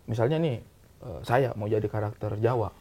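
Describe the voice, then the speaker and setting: A man talking as a film director, explaining his views with examples in a casual, animated way. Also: on the low side, moderate pace. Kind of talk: casual discussion.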